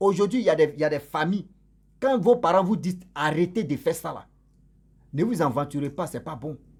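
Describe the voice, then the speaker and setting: On a very clean recording with a silent background, a man talks at a high pitch and a fairly quick pace with lively intonation. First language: local African language (speaking French). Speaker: YouTube storyteller and advice giver. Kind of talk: advice monologue. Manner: repetitive, informal.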